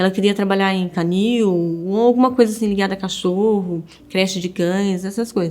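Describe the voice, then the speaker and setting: Music plays in the background as a woman talks at a moderate pace and a medium pitch. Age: 40s. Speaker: mother of missing children. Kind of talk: documentary interview testimony.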